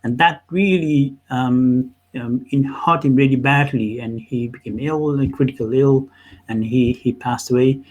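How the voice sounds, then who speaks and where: A man from Nepal speaking as an accountant and interview guest, telling his story conversationally in a halting way with repeated words. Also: medium pitch, fairly even intonation, a little mellow, muffled recording.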